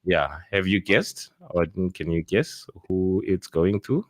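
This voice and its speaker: South african guy hosting a podcast, kinda low voice, lots of ums and restarts. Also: slow, no echo. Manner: rambling with many fillers and restarts; loud bursts of laughing excitement. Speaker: podcast host. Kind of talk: casual podcast chat.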